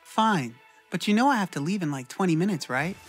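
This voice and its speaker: Man as a sullen teenage girl, lively pitch. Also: fairly quick, faint music behind. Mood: sullen, sarcastic. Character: sullen, anxious teenage girl, music-loving daughter. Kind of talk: dramatized story reading.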